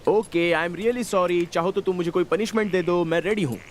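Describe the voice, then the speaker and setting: A man's voice: high-pitched, normal speed, a little hiss or hum, lightly acted. An actor dubbing a playful young man who teases and jokes with a woman he is looking after. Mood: pleading. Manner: teasing, joking banter. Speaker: film hero in a dubbed movie. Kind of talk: Hindi film dubbing. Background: film music.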